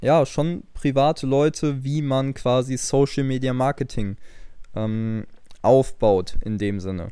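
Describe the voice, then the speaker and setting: A man speaks very slowly at a medium pitch in a dark, mellow tone. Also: very clean recording, silent background. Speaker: fitness podcast host and personal trainer. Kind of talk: solo podcast monologue. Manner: casual with many filler sounds.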